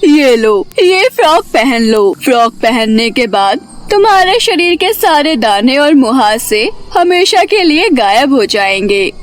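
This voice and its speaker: A woman playing a kindly, reassuring witch of the forest in an animated storybook tale. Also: sits high, takes it slowly, few pauses, exaggerated voice. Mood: helpful.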